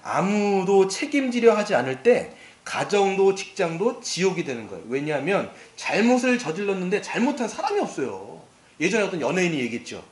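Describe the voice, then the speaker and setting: A middle-aged male pastor preaching a sermon in an animated way, acting out quoted lines and asking the congregation questions. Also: sits high, fairly quick. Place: church sanctuary. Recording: echoey church hall.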